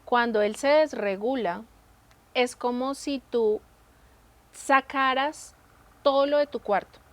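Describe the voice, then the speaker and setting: A woman's voice: sits high, takes it slowly. A woman co-hosting a Christian talk show, explaining ideas through everyday examples and rhetorical questions. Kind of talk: faith-based casual conversation.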